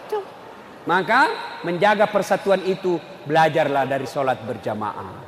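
Man, high voice, lively joking sermon, long echoing hall. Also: normal speed, a little hiss or hum. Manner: animated, swings from shouting to low murmurs. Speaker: preacher. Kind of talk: humorous mosque sermon. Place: mosque. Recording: echoey hall, faint ambience.

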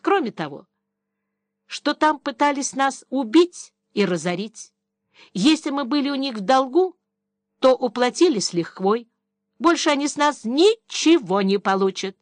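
A woman's voice: sits high, lively intonation, unhurried, no echo. A woman reading an audiobook voices a young English man, a war veteran, in a dry, mocking, slightly disdainful manner. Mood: ironic.

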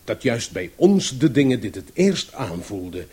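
An actor in a Dutch radio play voicing a pedantic, husky scientist who lectures didactically and emphatically. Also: male voice, medium pitch, very animated, measured pace, darkish tone. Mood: earnest lecturing. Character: pedantic male scientist expounding absurd theories.

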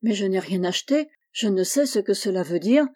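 A woman reading the part of a grateful young man about to marry, speaking quietly and in surprise. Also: high voice, animated, brisk. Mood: bewildered.

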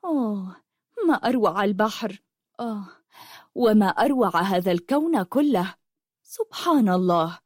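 A woman voicing a dreamy sixteen-year-old girl who speaks of the sea in a soft, poetic way. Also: mid-range voice, lively intonation, moderate pace, long pauses, dry recording, studio quality, close to an everyday voice. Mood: wistful.

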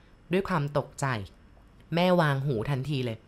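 A woman's voice: low-pitched, moderate pace. A woman narrating a ghost story in a polite manner, speaking directly to her listeners.

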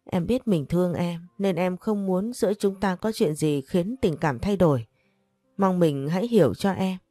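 A woman's voice: on the low side, normal speed, mellow, no echo, clean studio sound, faint music behind, close to an everyday voice. A woman narrator voicing a desperate middle-aged wife who begs her husband for forgiveness through sobs. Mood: pleading. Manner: begging, sobbing.

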